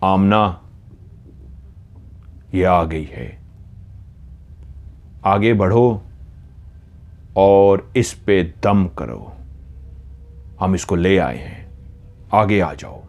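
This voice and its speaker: A man's voice: low voice, animated, very slow, vocal fry, long pauses, a little mellow, heavily acted. Male storyteller voicing a commanding young woman who expects obedience; firm, order-giving delivery.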